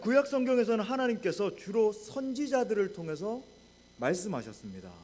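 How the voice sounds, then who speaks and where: A man's voice: high-pitched, a little mellow. A man who is a senior pastor, preaching a sermon in a church, often speaking to the congregation directly and asking rhetorical questions.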